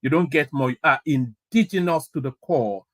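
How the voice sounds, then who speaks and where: A man's voice: a little high, normal speed, dry recording. A man from Oyo in southwestern Nigeria with a Yoruba accent, hosting a casual livestream commentary and emphatically repeating his phrases. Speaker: live stream host.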